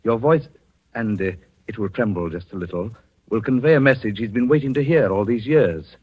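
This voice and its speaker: An actor playing a cold, scheming husband in a 1940s radio drama, speaking in a menacing, commanding way. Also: male voice, fairly low pitch, animated, fairly quick, slightly rough. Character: scheming cold husband, middle-aged man. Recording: dull old radio broadcast.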